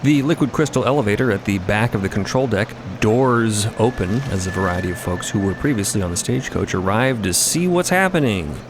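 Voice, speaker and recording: A man with a fairly low voice narrates an audio drama in vivid present tense, slipping into conversational asides. Noisy ambient effects rumble behind him. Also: animated, fairly quick, few pauses.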